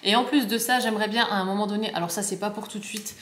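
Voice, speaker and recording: A woman's voice: mid-range voice, fairly even intonation, quick pace, a bit bright. A young woman with a northern French ch'ti accent, chatting casually on a vlog and rambling with lots of fillers and restarts. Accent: Picard (ch'ti), northern France. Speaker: vlogger. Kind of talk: casual chat to camera. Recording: echoey room.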